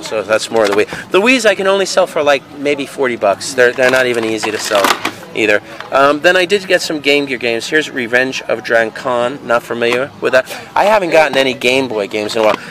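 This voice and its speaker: Man, casual rambling reseller, handheld camera outdoors, noisy street background. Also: medium pitch. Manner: rambling, thinking aloud, many fillers. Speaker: video game reseller. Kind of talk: casual handheld vlog narration. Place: outdoor parking lot flea market.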